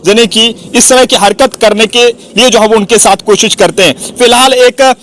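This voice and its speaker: Brief: male field reporter, strikingly high voice, loose rambling delivery with filler phrases. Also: normal speed, a bit bright. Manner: rambling, fills gaps with "jo hai wo"; corrects himself mid-sentence. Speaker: journalist reporter. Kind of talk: field news report and interview.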